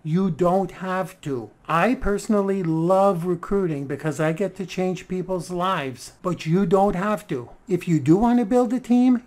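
A man in his fifties delivering a sales pitch straight to the viewer. He talks with eager, persuasive enthusiasm and keeps addressing the listener directly. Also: darkish tone. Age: 50s. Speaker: product promoter.

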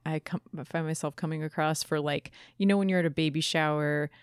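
A woman's voice: low-pitched, steady tone, a little fast, clean tone, no room sound, studio quality. A woman co-hosting a podcast in playful, casual comic chat. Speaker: podcast co-host.

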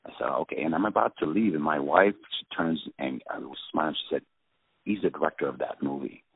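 A man with a French accent, a film director, telling anecdotes in an interview with many halting restarts and fillers. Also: extremely low pitch, gravelly, slightly rough, no echo. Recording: tinny phone-line audio.

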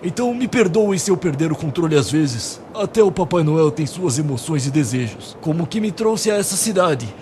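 A man's voice: a little high, lively intonation, normal speed, hardly any pauses, mellow, a little hiss or hum, lightly acted. A man playing a nervous, rambling, exasperated Santa Claus in a comedic radio play. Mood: apologetic, rambling. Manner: theatrical, long-winded, exasperated. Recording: music behind the voice.

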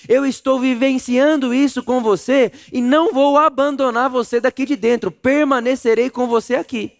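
Male preacher, high voice, expressive sermon, loud then hushed. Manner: animated storytelling, acting out voices, swings between loud and hushed.

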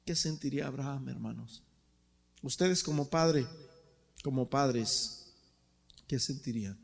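A man's voice: mid-range voice, measured pace, gravelly. A man preaching a sermon with impassioned storytelling, speaking directly to the congregation. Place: church. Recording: echoey church hall.

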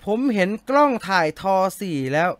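A man hosts a live movie news stream, chatting and joking with his viewers in a polite, easygoing way. His voice sits high, and it is recorded dry and close with no room sound. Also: very animated, normal speed, a bit bright, dry recording. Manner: chatty, jokey, polite particles. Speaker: movie talk show host. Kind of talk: casual live-stream chat reading viewer comments.

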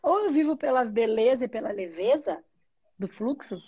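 A woman with a high, breathy voice talks through spiritual ideas in a calm, reflective way, often posing questions and answering them herself. The recording sounds somewhat dull and lo-fi. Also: normal speed. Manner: reflective, asks and answers her own questions. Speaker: spiritual teacher. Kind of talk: spiritual conversation.

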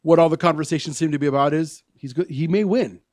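A man's voice: fairly high pitch, darkish tone, no echo, clean studio sound. Man arguing politics on talk radio. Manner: explaining, argumentative, measured. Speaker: co-host.

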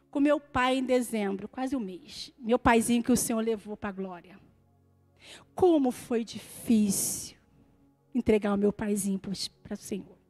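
Woman preacher, high voice, swings from hushed storytelling to shouted praise, faint music behind. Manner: acts out other people's voices in quotes. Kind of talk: evangelical sermon.

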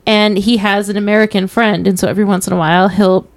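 A woman's voice: mid-range voice, flat delivery, fast talker. A woman co-hosting a podcast, chatting casually and opinionatedly with lots of fillers. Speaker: podcast co-host. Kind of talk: casual film review chat.

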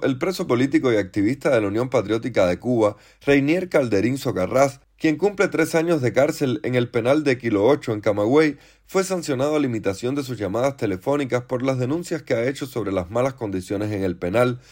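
A man presents a news podcast from a script. His voice sits at an ordinary male pitch, and he narrates in formal sentences as the host. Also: expressive, brisk, hardly any pauses, darkish tone.

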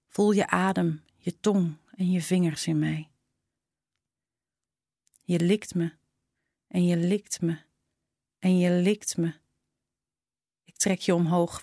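Female narrator, lowish voice, unhurried intimate read, dry studio sound. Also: a little mellow, no echo. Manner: slow, intimate reading. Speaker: narrator reading a short story. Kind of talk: scripted storytelling.

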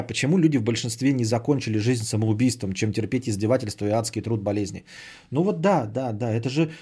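A podcast host chats casually and sardonically while answering messages from his audience, swearing often and repeating phrases. His medium-pitched voice is mellow with a breathy edge.

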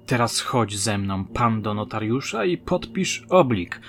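A man's voice: fairly low pitch, very animated, unhurried, a bit bright, slight background noise, exaggerated voice. A man voicing a despairing, drunk bearded stage actor in his fifties, theatrical and self-pitying. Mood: theatrical menace.

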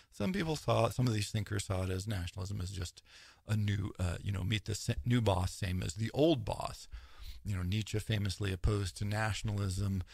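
A man talking through ideas in a rambling, animated lecture style, often tagging points with "right?" and asides. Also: on the low side, vocal fry, no echo, studio quality. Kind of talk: casual lecture-style talk.

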